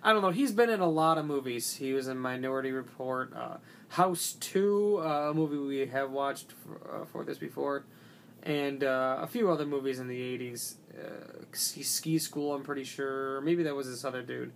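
Casual podcast co-host, mid pitch, rambling, filler-heavy delivery. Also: moderate pace, a little hiss or hum. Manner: rambling, heavy use of "like", many restarts. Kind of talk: casual movie discussion.

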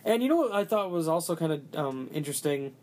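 A podcast co-host in a casual movie chat, rambling and filling every pause with "like". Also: medium pitch, big pitch swings, darkish tone. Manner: rambling, heavy use of "like", many restarts.

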